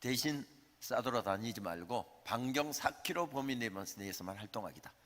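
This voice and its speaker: A preacher voicing God, firm and wry. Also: male voice, mid-range voice, lively intonation, moderate pace, fairly bright tone, lightly acted. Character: God, a divine male voice, firm and teasing. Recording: reverberant church sanctuary.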